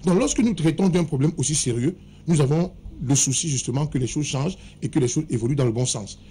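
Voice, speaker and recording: Insistent man debating, dark tone. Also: fairly high pitch, fast talker, a little hiss or hum. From Cameroon. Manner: insistent, keeps demanding to finish speaking. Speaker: political debate panelist. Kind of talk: heated studio debate.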